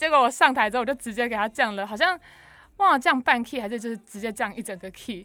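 A woman speaks very fast in a high, bright, sharp voice with lively intonation and big swings in loudness. The recording is very clean, with a silent background. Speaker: singer and university music student. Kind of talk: casual chat.

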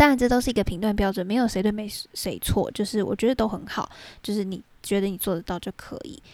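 At a very fast pace, a woman with a Taiwanese accent speaks at a medium pitch with ordinary pitch variation, in a very clean recording with a silent background. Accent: Taiwanese Mandarin. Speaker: podcaster. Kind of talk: casual solo monologue.

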